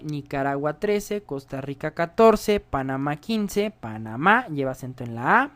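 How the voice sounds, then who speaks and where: A man's voice: fairly high pitch, clean tone. A man gives a screen-recorded programming tutorial. He explains each step in a chatty way and keeps checking in with his viewers. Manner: chatty, explains step by step, often asks "¿sale?".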